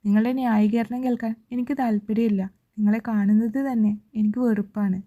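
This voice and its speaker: A woman voicing a spoiled, sharp-tongued young sister with a bitter manner, on a dull lo-fi recording. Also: on the high side, level tone, a little fast, natural voice. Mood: angry.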